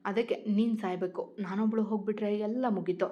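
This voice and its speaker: A woman's voice: medium pitch, steady tone, fairly quick, lightly acted. A woman voicing a cruel, scheming aunt who mocks and taunts, in a dull lo-fi recording. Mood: taunting. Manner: taunting, mocking.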